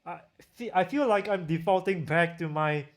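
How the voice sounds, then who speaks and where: An audio gear reviewer with a Singaporean accent runs a casual livestream, reading viewers' questions out loud before answering. His voice is high and his pace moderate.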